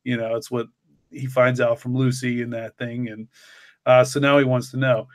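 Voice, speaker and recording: A man with a mid-pitched voice co-hosts a casual discussion. He explains things hesitantly, pausing and feeling his way through phrases. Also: little pitch movement. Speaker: podcast co-host and story creator.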